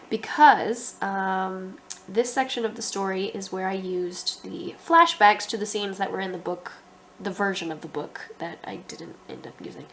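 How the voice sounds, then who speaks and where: A young woman with a blocked-up, congested nose chats through her writing progress in a casual vlog, rambling and thinking aloud, filling pauses with ums. Her pitch sits in a middle range, and faint noise hums under the recording. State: stuffy, congested. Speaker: author vlogger.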